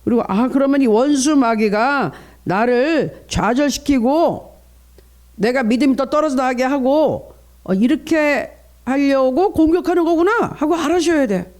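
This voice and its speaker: A man's voice: very high voice, a little slow, a little mellow. A middle-aged male pastor preaching at a dawn prayer service, earnest, coaching the congregation in how to pray and asking for their responses.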